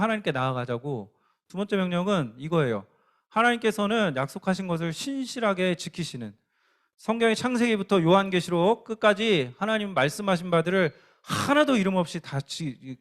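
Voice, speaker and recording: A man's voice: high-pitched, lively intonation, brisk. A man preaching a youth sermon, earnest and emphatic, often asking the listeners questions. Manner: earnest, emphatic, speaking directly to teens with questions. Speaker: youth pastor.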